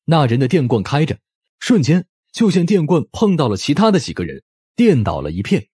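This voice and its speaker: Male audiobook narrator: slightly rough, animated delivery, dramatic storytelling, close dry sound. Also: a little high, fairly quick, no echo.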